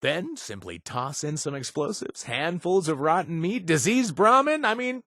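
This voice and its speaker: An actor playing a wry, chatty wasteland informant in a video game, husky, with a hesitant, rambling delivery and joking asides. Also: male voice, a little high, sing-song, normal speed, a bit bright, dry recording, clean studio sound. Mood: playful, animated. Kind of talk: video game voice acting, casual spoken tips.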